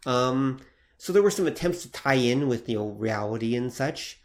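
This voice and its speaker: A man's voice: medium pitch, expressive, moderate pace. A man co-hosting a podcast in casual chat, agreeable and conversational, hedging a lot as he talks. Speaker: podcast co-host.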